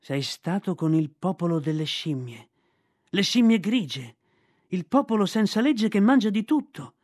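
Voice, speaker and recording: A man voicing a gruff, stern yet fond old bear who teaches a boy the jungle's laws. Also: sits high, very animated, unhurried, darkish tone, no echo, clean studio sound, voice pushed up, full character voice. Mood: gruff, scolding.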